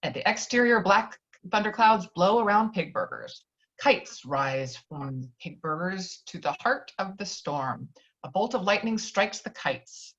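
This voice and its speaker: A woman narrates the action of a film script at an informal read-through. Her voice sits at an average pitch, and she trips on words and corrects herself. The audio is a little dull and lo-fi. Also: expressive, a little slow, a bit bright. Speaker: reader of stage directions. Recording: dull lo-fi online call audio.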